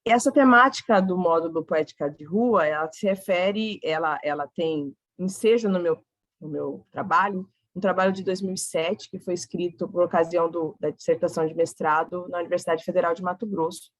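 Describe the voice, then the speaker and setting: Halting Brazilian woman lecturing. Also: fairly low pitch, dry recording. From Cuiabá, Brazil. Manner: hesitant, restarts phrases. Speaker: guest lecturer. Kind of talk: academic talk to an audience.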